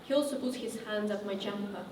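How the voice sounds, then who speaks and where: A woman acting a theatrical monologue as a haunted woman looking back on her past, with deliberate, halting delivery. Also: a little high, lively intonation. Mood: subdued, uneasy. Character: woman recounting childhood memories, wry then wounded and haunted. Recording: echoey reverberant room, distant mic, faint noise.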